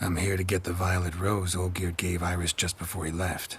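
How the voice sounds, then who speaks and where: A man uses a put-on character voice that is raspy, very deep and low, and delivered at a fairly quick pace in a monotone, flat intonation. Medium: video game. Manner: dry, blunt.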